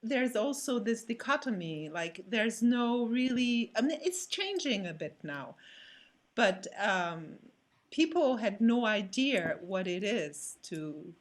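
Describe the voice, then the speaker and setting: A woman's voice: fairly high pitch, lively intonation, takes it slowly. A French woman with a French accent, an actor speaking hesitantly in a casual panel discussion and searching for her words. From France. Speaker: actor in a children's theatre company.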